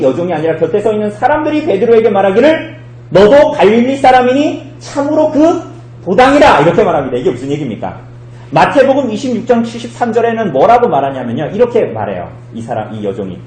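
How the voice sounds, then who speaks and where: Male pastor preaching, high voice that swoops a lot, roomy church sound with a faint hum behind. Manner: animated storytelling, acting out quoted lines. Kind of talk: sermon. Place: church sanctuary.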